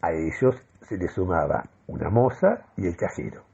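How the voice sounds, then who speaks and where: Male actor as exalted deluded man, radio-play monologue, very hoarse-edged gravelly voice, solemn, pompous phrasing, dramatic pauses. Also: deep voice, expressive, warm tone, lo-fi sound, full character voice. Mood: satisfied, deadpan. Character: euphoric, deluded man convinced of mystical energy communication. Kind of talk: theatrical first-person radio monologue.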